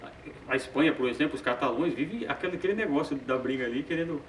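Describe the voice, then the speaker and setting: A man's voice: medium pitch, fast talker, slight background noise. A man teaching a casual Bible study, with hesitant filler sounds and frequent chuckles. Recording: roomy sound from a distant mic.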